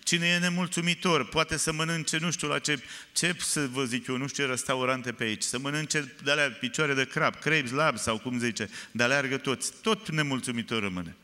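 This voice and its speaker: A man preaching a sermon, telling stories with animated, often loud emphasis, recorded in a church. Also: medium pitch, hardly any pauses. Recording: reverberant church hall.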